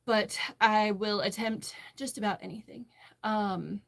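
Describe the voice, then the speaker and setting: A woman's voice: mid-range voice, steady tone, measured pace, creaky. An American woman hosting a casual livestream, chatting and answering viewer comments as she goes. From western Massachusetts, United States. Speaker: livestream host, crocheter.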